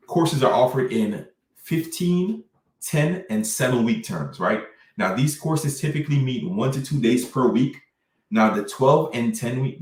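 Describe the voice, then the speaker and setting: A man's voice: medium pitch, darkish tone, echoey room, distant mic. A man giving an informational presentation to students, emphatic and repeatedly checking in with "right?". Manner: emphatic, keeps asking "right?". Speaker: dual enrollment presenter.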